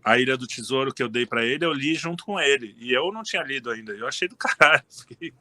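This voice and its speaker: A man's voice: medium pitch, fast talker. A man talking casually as a guest in an interview, rambling and restarting his sentences often. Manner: relaxed, rambling, frequent restarts and fillers. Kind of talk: casual conversation.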